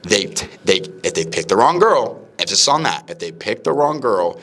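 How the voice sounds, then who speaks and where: A young man hosts a relaxed podcast conversation with a deep yet bright, forceful tone. He talks in an animated way and jumps into playful imitations of the people he describes. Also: moderate pace. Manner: animated, acts out quoted people in raised voices. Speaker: podcast host. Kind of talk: casual podcast chat.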